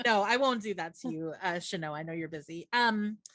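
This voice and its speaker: A woman talks loudly at a moderate pace in an animated tone, her pitch swinging very widely over a quiet background. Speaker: podcast host. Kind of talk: casual chat.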